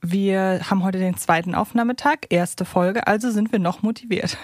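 A woman's voice: mid-range voice, normal speed, a little mellow, dry recording. A woman co-hosting a podcast in a casual, talkative, frank conversational way. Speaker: podcast co-host.

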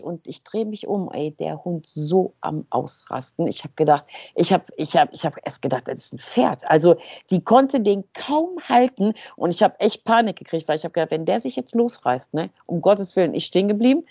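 A woman co-hosting a podcast, telling a story in a lively, casual way and acting out the dialogue. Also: on the low side, moderate pace, hardly any pauses, breathy edge, no room sound, highs cut off. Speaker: podcast co-host.

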